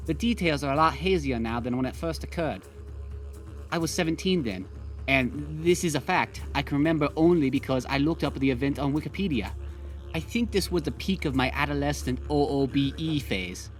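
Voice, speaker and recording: A man in his thirties with a Singaporean accent, calmly recounting a personal experience as a guest. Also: on the high side, a little fast, soft background music, rough recording. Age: 30s. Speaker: guest storyteller.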